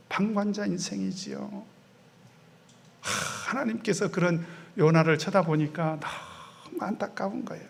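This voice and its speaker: Male preacher with a high voice; lively sermon delivery, voices the quoted characters, drops to near whispers. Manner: animated preaching, acting out quoted voices, swinging loud and soft. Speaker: pastor.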